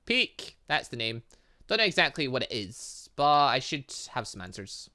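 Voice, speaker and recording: A man's voice: mid-range voice, big pitch swings, normal speed, bright, forceful tone. A man hosting a gaming channel, giving let's play commentary on a visual novel with dramatic, exclaiming reactions.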